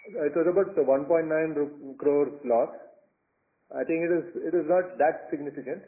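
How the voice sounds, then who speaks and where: A man's voice: fairly high pitch, normal speed. A man with an Indian accent answering questions as a company executive on an earnings call, hesitant and often repeating words as he explains. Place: conference call over phone line. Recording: tinny narrowband phone conference line.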